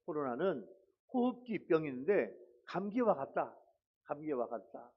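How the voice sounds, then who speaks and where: A man's voice: fairly high pitch, lo-fi sound. A pastor preaching a sermon in a church sanctuary, exhorting his congregation, repeating phrases and calling out hallelujah.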